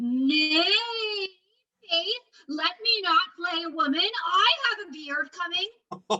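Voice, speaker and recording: A woman puts on a character voice at an extremely high pitch with lively intonation. She goes at a very slow pace with long, frequent pauses. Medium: stage play.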